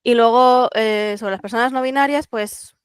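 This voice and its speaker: Smooth-voiced Catalan speaker explaining calmly. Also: female voice, fairly high pitch, normal speed, dry recording. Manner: thoughtful, explanatory, many fillers. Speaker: guest translator. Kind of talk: relaxed podcast interview.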